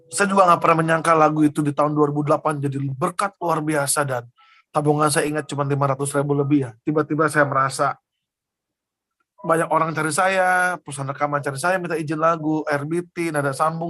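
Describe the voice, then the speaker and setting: A man's voice: fairly high pitch, steady tone, fairly quick, sharp tone, no echo. A man preaching a testimony sermon, telling his story with emotion and often addressing his listeners directly. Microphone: Zoom broadcast.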